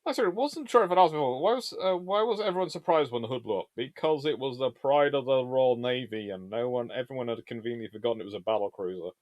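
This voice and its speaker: A man's voice: medium pitch, fast, hardly any pauses, no room sound, highs cut off. A man hosting a casual live question-and-answer session, talking in a rambling, discursive way and often correcting himself. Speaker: host answering viewer questions on naval history.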